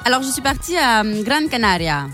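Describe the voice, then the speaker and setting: A woman from Italy talks fast as a columnist on a radio show. She is informal, chatty and emphatic, with music playing behind her in the studio. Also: a little high, very animated, fairly bright tone. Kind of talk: casual radio chat.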